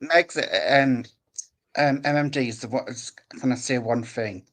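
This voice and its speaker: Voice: medium pitch, fairly even intonation, a little slow. A guest on a live stream telling a rambling story, hesitating with many ums. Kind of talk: casual live stream chat.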